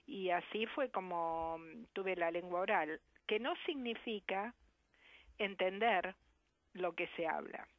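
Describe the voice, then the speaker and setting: A woman with an Argentine Spanish accent, a sign language interpreter answering a radio interview in a measured, reflective way over the phone. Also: fairly low pitch, no echo. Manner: measured, reflective, careful diction. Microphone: telephone. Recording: muffled phone line.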